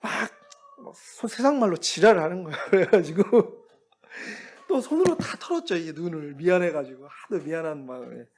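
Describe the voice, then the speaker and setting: A man preaching as a missionary, telling personal stories in a relaxed, conversational way with occasional chuckles. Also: fairly high pitch, moderate pace. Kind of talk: sermon storytelling.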